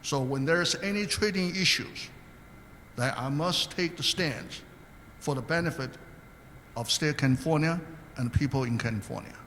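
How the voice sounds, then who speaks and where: Older panel guest, earnest and anecdotal, slightly high voice, recorded in a reverberant hall. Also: male voice, moderate pace, pushed and bright, slight background noise. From Taiwan. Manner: earnest, anecdotal, with hesitant restarts. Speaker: guest speaker, state commissioner. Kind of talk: panel talk answering questions.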